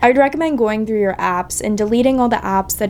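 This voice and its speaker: The intonation is fairly even, and noticeable background noise can be heard. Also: woman. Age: 20s. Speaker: lifestyle YouTuber. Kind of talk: self-improvement advice talk to camera.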